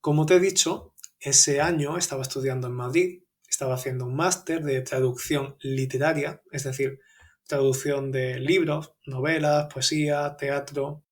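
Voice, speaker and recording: A young man with an Andalusian Spanish accent, hosting a language-learning podcast and telling a personal story in a clear, measured way. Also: mid-range voice, fairly even intonation. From Andalusia, Spain. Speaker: podcast host and Spanish teacher.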